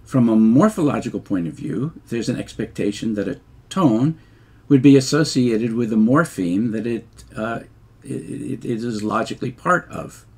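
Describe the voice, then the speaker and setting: An older man giving a measured lecture over slides, explaining step by step with fillers and restarts. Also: mid-range voice, lively intonation, a little mellow, husky. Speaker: linguistics lecturer.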